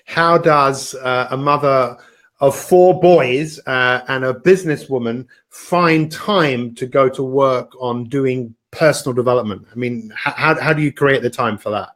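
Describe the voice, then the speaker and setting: A man's voice: mid-range voice, a little slow, a bit bright. A man hosting a live motivational broadcast as a life coach, upbeat and chatty with frequent filler words.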